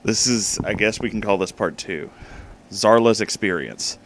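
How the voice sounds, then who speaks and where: A man hosting an informal read-aloud, speaking in a conversational, slightly halting way with casual asides. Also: lowish voice, slight background noise, low-quality recording. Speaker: host reading online stories aloud.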